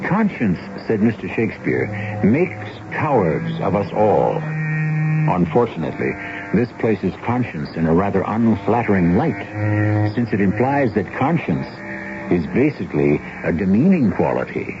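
An older American man hosts a radio drama in a low voice with lively swings of pitch. His narration is theatrical and deliberate, muffled as on an old broadcast. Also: noisy background.

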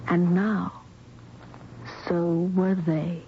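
A woman's voice: on the low side, level tone, drawn-out words. A woman playing an anxious, humane young wife in peril in a radio drama. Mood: grave, reflective. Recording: muffled radio broadcast, loud effects noise.

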